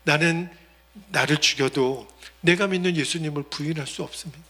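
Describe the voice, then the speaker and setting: A male pastor voicing an imprisoned elder who answers in a hushed, calm and firm whisper. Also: on the high side, normal speed. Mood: steadfast. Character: imprisoned male church elder, quietly steadfast.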